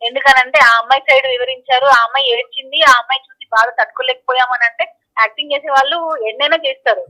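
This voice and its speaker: Speaking in a high, pushed, bright voice with a steady tone, a woman fires off rapid answers in a phone interview. She's insistent and keeps repeating herself, and the call sounds tinny.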